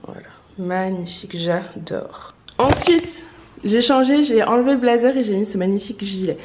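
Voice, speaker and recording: Her pitch is medium and her pace normal, and the sound is roomy over a noisy background. She's an online clothing shop owner in front of a mirror indoors, casually chatting in a try-on vlog. She is congested from a lingering cough, uses plenty of fillers, and gushes over the outfits.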